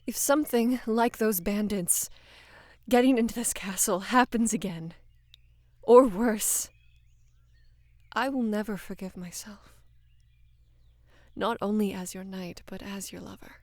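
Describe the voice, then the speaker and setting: A young woman playing a devoted, lovestruck female knight in an intimate roleplay audio, speaking in a hushed, breathy, halting and earnest way. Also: mid-range voice, dry recording, lightly acted. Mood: anxious, pleading. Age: young adult. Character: devoted female knight, tender, anxious, in love with queen. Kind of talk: intimate roleplay audio, soft acted monologue.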